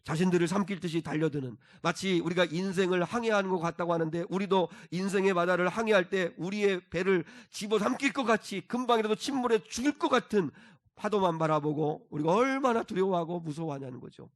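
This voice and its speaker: In this sermon a high-pitched male pastor speaks fairly quickly, swinging from soft asides to forceful, loud exhortation. At points he guides the congregation through scripture reading.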